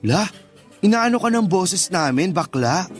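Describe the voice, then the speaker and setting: A man's voice: high voice, expressive, a little slow. An actor playing a teasing, loyal young gay man in a Tagalog radio drama, with campy banter. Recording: music bed behind the voice.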